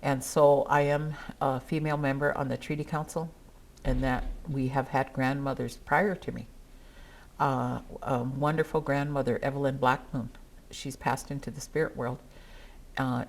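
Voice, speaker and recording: An older woman whose first language is Dakota, speaking at a gathering in a measured, earnest way with pauses. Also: very deep voice, fairly even intonation. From South Dakota, USA. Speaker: treaty council member.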